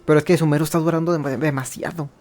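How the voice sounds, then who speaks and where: A man's voice: on the high side, steady tone, racing, a little mellow. A man hosting a video game playthrough with casual commentary, reacting to the dialogue as it goes. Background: game music.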